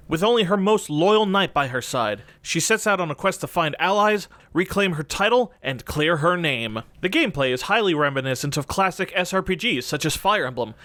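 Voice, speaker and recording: A man's voice: on the high side, a bit bright, no echo. A man hosting a scripted comedic review, talking casually with swearing and exaggerated emphasis over music. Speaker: video host and game reviewer. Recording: music under the voice. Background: background music.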